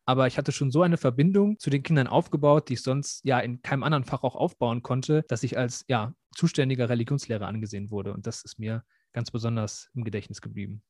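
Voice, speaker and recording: A man's voice: mid-range voice, fairly even intonation, quick pace, few pauses, a little mellow, no echo, clean studio sound. A young man in his twenties, a student teacher, talking reflectively and earnestly as a podcast guest. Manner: reflective, earnest, many fillers. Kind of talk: podcast interview.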